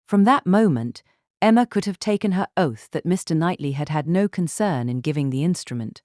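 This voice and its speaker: Female audiobook narrator, very low register, measured and formal, close dry sound over music. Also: expressive, darkish tone, dry recording. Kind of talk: scripted literary narration.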